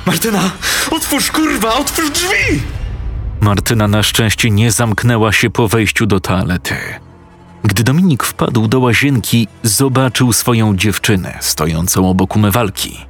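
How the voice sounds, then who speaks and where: A man with a low, husky voice tells a horror story in a steady, suspenseful manner. Faint music plays under his narration. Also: normal speed.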